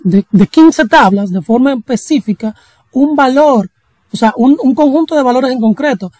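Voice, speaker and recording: A programming instructor gives a screen-recorded coding tutorial in a casual, chatty way, using slang and jokey asides. The voice sits high with a darkish tone. The recording is rough, with no echo.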